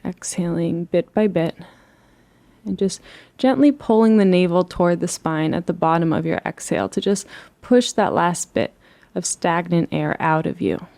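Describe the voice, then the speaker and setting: Soothing, mellow, lower-pitched woman guiding relaxation. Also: lively intonation, gravelly. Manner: soothing, unhurried, gentle instructing. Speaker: meditation and yoga teacher. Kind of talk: guided relaxation meditation.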